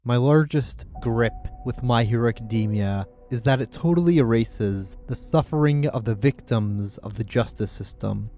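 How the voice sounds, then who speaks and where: Guy doing an opinionated video essay, mellow voice, sarcastic and casual, music under it. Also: mid-range voice. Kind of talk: scripted video essay narration. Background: background music.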